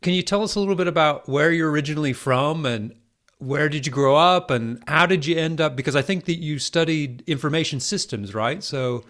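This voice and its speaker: A man hosting a podcast, reading a measured, formal introduction and then interviewing his guest. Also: on the high side, a bit bright. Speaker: podcast host.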